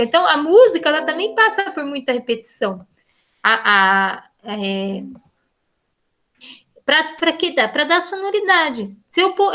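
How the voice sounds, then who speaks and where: A Brazilian woman teaching a literature class, her voice pitched high and sounding bright and crisp. She explains in a chatty way, keeps checking in with the class, and reads verses aloud in between. It sounds like a computer mic in an online lesson. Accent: Brazilian Portuguese.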